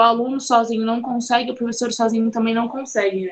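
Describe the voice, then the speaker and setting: A woman with a fairly high voice talks at a very fast pace. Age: 20s. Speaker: history student and activist. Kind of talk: panel discussion.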